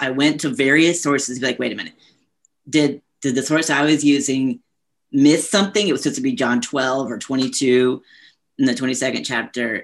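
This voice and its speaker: Over a quiet background, a man with a plain, everyday voice talks at a moderate pace, his fairly high pitch showing ordinary pitch variation. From US South, North Carolina. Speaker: pastor and podcast host. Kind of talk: casual Bible study discussion. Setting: video call.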